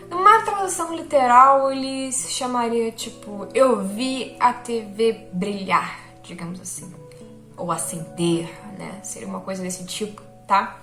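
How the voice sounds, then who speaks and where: A woman's voice: a little high, bright, forceful tone, echoey room. A young woman chatting casually about a film she liked, chatty and self-deprecating, often checking in with her viewers. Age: young adult. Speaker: film vlogger.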